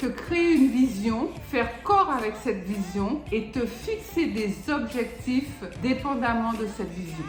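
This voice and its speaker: Over noticeable background noise and audible room echo, a woman speaks loudly at a very slow pace with lively intonation. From France. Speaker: personal finance youtuber. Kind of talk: advice talk to camera. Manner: casual, conversational.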